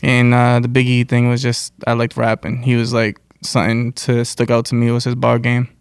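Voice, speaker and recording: A man's voice: medium pitch, monotone, normal speed, clear, resonant tone, dry recording, clean studio sound. An American man talking casually in slang as a musician guest in an interview. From United States.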